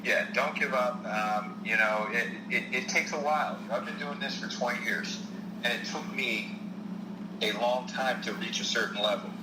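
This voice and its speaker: A man's voice: mid-range voice, moderate pace, very noisy. Man with a South Jersey accent, echoey. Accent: South Jersey, Philadelphia area. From South Jersey, United States. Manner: earnest, repeats key points for emphasis. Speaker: actor and stunt performer guest. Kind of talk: podcast interview.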